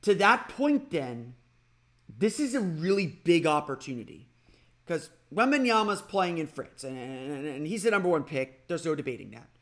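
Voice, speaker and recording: A man hosting a casual sports podcast, talking energetically with a slightly raspy voice and frequent restarts. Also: a little high, normal speed. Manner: energetic, rambling with restarts and fillers. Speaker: podcast host.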